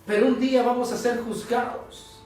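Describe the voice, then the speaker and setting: A man preaching a sermon as pastor, emphatic and leaning on long pauses. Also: extremely high pitch, flat delivery. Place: church sanctuary. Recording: echoey church, distant mic, soft instrumental music.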